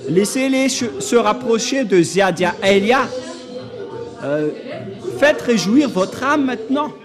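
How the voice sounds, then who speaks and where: High-voiced man preaching loudly over music. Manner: emphatic, often shouting. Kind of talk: sermon. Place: church service. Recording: live church recording with music and crowd.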